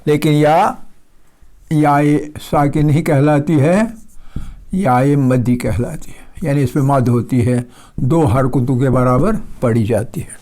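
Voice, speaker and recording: A mellow, medium-pitched male voice leads a recitation class on tajweed. Slowly and patiently, he goes over example words repeatedly and often makes sure the students are keeping up.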